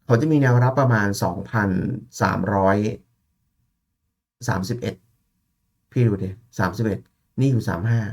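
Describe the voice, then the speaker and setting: A man's voice: fairly low pitch, darkish tone. A man giving a casual, chatty analysis of gold price charts, thinking aloud and addressing listeners familiarly.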